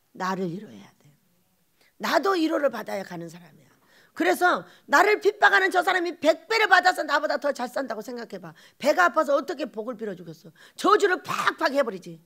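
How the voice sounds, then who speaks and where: A woman pastor giving an animated sermon, firing rhetorical questions and laughing asides. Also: extremely high pitch, creaky.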